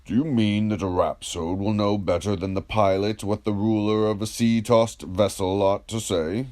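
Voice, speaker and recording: A man reading the part of a patient, ironic, probing philosopher in a dramatised dialogue, in a measured, declamatory, questioning manner. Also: lowish voice, fairly even intonation, a little mellow, close to an everyday voice.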